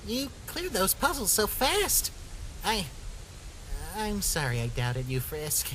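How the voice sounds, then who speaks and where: A woman's voice: medium pitch, wildly swooping pitch, takes it slowly, a bit bright, a little hiss or hum, heavily acted, low-quality recording. A woman voicing an anxious, protective talking flower in a comic dub, earnest and cautioning. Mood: earnest concern.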